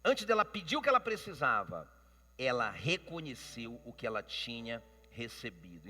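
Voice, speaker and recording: A man's voice: medium pitch, sharp tone. A man with a Brazilian Portuguese accent preaching a sermon, emphatic and calling out to his congregation. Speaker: pastor. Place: church. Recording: long church reverb.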